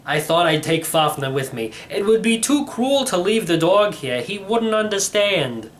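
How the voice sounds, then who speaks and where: A man's voice: high voice, very animated, measured pace, a little hiss or hum, pitched above the performer's own voice. A man voicing an eccentric, very old great-uncle in a storybook, speaking in clipped, matter-of-fact phrases.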